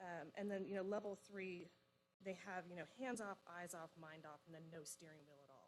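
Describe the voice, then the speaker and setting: Fairly low in pitch, a woman speaks with ordinary pitch variation. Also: big swings in loudness. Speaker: transportation official presenting. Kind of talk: presentation. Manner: fast.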